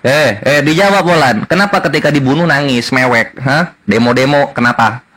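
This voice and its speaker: A man's voice: mid-range voice, moderate pace, fairly bright tone, a little hiss or hum. A man arguing in a heated debate, mocking and taunting his opponents and repeating his jeers again and again.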